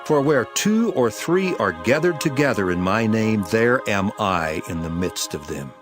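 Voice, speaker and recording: Man voicing solemn low-voiced Jesus, music behind. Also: lively intonation, a little slow. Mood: stern, emphatic. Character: Jesus, solemn, authoritative male teacher of scripture. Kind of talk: dramatized King James Bible reading.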